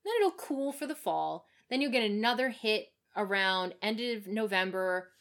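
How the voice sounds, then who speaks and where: A woman co-hosting a podcast, giving the news in casual chat with quick, chatty asides. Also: medium pitch, expressive, a bit bright. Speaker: podcast co-host.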